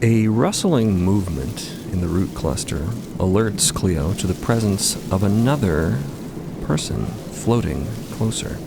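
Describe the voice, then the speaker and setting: A man gives scripted narration in an audio drama. His voice is very low and creaky, telling the story over a clear bed of ambient noise. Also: animated, unhurried.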